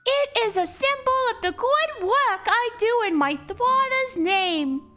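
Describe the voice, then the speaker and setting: A woman's voice: very high-pitched, expressive, slow pace, pushed and bright, faint music behind, voice pushed up, exaggerated voice. A woman voicing a solemn six-year-old girl who believes she is a saint, speaking formally and piously. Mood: prim. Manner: prim, formal, pious speech.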